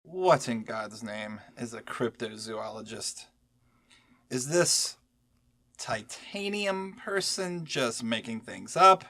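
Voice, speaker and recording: A performer acting as a blunt, sceptical coworker in an audio drama. The voice is creaky and unhurried, delivered with deadpan sarcasm. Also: mid-range voice, exaggerated voice.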